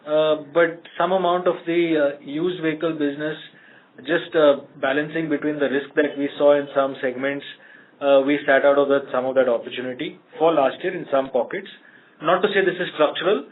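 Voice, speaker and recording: A man with an Indian accent answering questions as a company executive on an earnings call, measured and explanatory, pausing often mid-phrase. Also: fairly high pitch, steady tone, a little hiss or hum. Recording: muffled band-limited conference call line.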